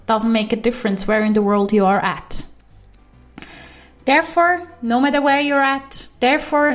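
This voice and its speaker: In a solo podcast episode, an intuition coach who hosts the show talks on her own with a Swiss German accent. She's lively throughout, with quick upward pitch shifts for emphasis.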